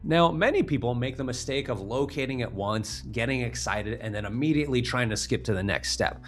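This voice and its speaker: Male vocal coach: animated, bright and creaky, emphatic tutorial delivery. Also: medium pitch, a little fast, soft background music. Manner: emphatic step-by-step explaining. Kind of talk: instructional tutorial.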